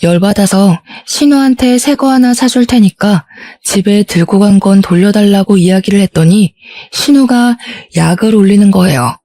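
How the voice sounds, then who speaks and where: Mellow-voiced woman narrating a story. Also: medium pitch, moderate pace, hardly any pauses, dry recording. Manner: indignant, matter-of-fact. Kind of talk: scripted storytelling.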